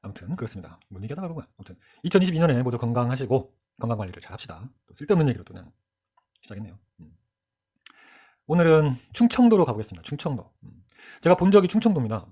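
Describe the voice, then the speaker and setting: A history teacher in his 40s from South Korea's Jeolla region gives a casual lecture, talking fast in a husky, warm, mid-range voice with a sing-song lilt. His light North Jeolla Korean accent carries some Chungcheong features, and he rambles, jokes, and tosses in self-mocking asides.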